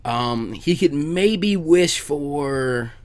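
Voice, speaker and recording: A man hosting a casual podcast chat, halting and repeating words as he thinks aloud. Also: a little high, expressive, darkish tone. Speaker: podcast host. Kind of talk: casual chat about anime what-if scenarios.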